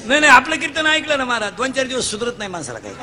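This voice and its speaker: A middle-aged man from Maharashtra delivering a comic devotional sermon. He tells stories fast, acts out the characters and shouts the punchlines. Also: extremely high pitch, sing-song, faint music behind, some chatter behind. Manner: rapid storytelling, acting out characters, shouting punchlines. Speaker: kirtan preacher.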